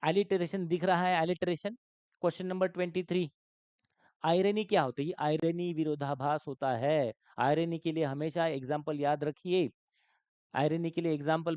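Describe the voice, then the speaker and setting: A man's voice: fairly high pitch, darkish tone, smooth, dry recording. Man, online exam-prep teacher, quizzing and repeating, dry, dull recording. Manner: questioning, repeats terms, mixes English terms into Hindi. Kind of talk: live online class.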